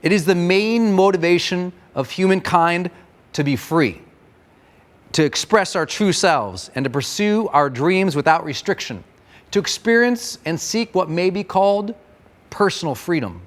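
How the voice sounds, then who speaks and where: A man's voice: high-pitched, animated, measured pace. A man giving an emphatic, declamatory reading of a scripted inspirational manifesto.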